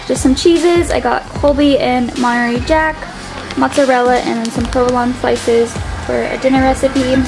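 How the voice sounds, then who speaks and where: A woman's voice: sits high, creaky, rough recording. A young woman at home showing her grocery haul on a handheld camera, talking casually with lots of "like" and "um". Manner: relaxed and chatty, many fillers like "like" and "um". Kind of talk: casual chat. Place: home, indoors, at a table. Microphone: camera held overhead, point-of-view shot. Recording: home video with music underneath. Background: background music.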